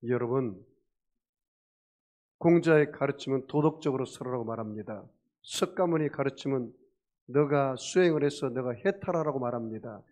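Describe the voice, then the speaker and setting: A man preaching a sermon as pastor, telling stories, questioning the congregation and acting out loud cries for help. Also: mid-range voice, moderate pace. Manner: storytelling with acted shouts and audience questions.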